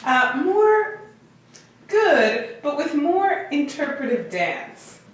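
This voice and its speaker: Woman, high animated voice, casual directing, very echoey room. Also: very slow. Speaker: director giving acting prompts. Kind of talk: short casual comic directions. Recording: very echoey room, distant mic.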